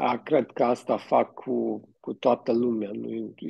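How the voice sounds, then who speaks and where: A man talks at a very slow pace with a medium pitch. His intonation stays fairly even. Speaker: panel guest. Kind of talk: panel discussion.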